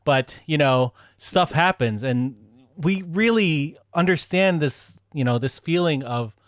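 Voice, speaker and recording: A man hosts a casual podcast, his voice sitting a little high and sounding dry and close. He talks in loose run-on sentences and laughs often as he goes. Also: slow pace, dry recording. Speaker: podcast host.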